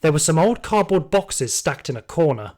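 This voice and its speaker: A man's voice: on the high side, very animated, moderate pace, a little mellow. A man playing a terrified security guard, narrating his ordeal urgently and theatrically in an audio drama. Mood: tense, frightened.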